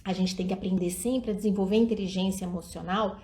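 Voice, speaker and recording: A middle-aged woman giving a live-stream talk outdoors at night, with a voice of ordinary medium pitch. She speaks to her viewers in an easy, conversational way, dropping into little acted lines of parents and children as she goes. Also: steady tone, fast talker, darkish tone. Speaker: early childhood education speaker.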